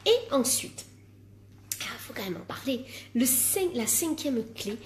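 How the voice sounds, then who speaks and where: Woman life coach, emphatic and self-mocking, live-stream talk, slightly high pitch. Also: big pitch swings, measured pace, slight background noise. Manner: emphatic, repeats words for stress, jokes at herself.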